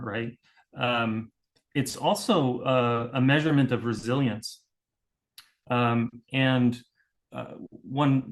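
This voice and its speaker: Man explaining science, measured and thoughtful. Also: medium pitch, vocal fry, fairly bright tone. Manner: measured, thinks aloud with restarts. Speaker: voice science guest expert. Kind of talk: explanatory conversation.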